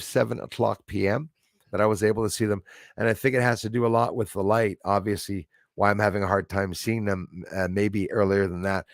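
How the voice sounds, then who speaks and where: Gravelly low Quebec man chatting. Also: dry recording, studio quality. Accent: Quebec English. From Quebec, Canada. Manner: rambling, hesitant, lots of fillers. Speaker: livestream host reading chat. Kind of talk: casual live chat.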